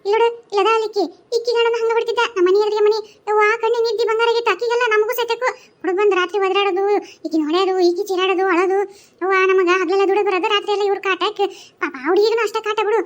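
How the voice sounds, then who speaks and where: A woman's voice: very high voice, fairly even intonation, racing. A woman voicing a confident village woman in a cartoon who gives firm, soothing advice, with a North Karnataka Kannada accent. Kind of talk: cartoon voice acting.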